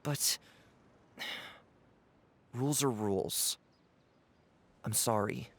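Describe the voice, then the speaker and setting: A man's voice: medium pitch, drawn-out words, a bit bright, dry recording, exaggerated voice. A man voicing a guilt-torn young man in a game, who speaks in an apologetic, reluctant way. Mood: sorrowful. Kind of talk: game cutscene voice acting.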